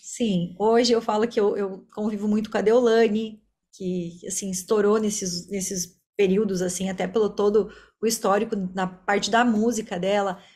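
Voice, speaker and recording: A woman's voice: medium pitch, steady tone, normal speed, few pauses, darkish tone. A Brazilian woman speaking as an interview guest, a speech therapist explaining her work in a talkative, conversational way. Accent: Brazilian Portuguese.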